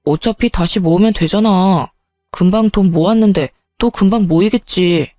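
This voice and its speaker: Story read-aloud: woman voicing an arrogant husband, blunt and cutting, mellow low tone, dry sound. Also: moderate pace, dry recording, soft background music, natural voice. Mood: offhand. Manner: blunt, scornful, insulting. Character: smug, dismissive husband, adult man.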